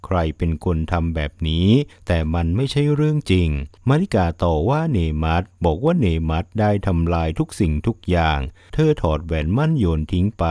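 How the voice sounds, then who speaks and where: A man narrating a plot recap of a drama in a steady, even storytelling manner. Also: low voice, no room sound, studio quality.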